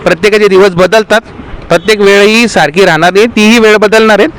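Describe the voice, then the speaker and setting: A man's voice: high voice, fast, fairly bright tone, clear, resonant tone, poor audio. A man, a local party official, making an earnest, aggrieved statement to the press and appealing to party workers.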